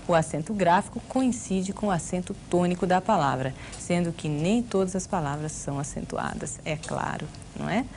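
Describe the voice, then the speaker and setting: Low-voiced Brazilian woman teaching grammar. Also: moderate pace, few pauses, darkish tone, a little hiss or hum. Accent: Brazilian Portuguese. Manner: didactic, explaining with rhetorical questions. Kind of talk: video lesson for exam prep.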